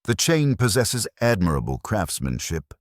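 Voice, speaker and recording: A man voicing a careful small-town jeweler in a mystery story, speaking formally and with deliberate precision. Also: on the low side, big pitch swings, no room sound, studio quality, pitched above the performer's own voice. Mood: expert, measured.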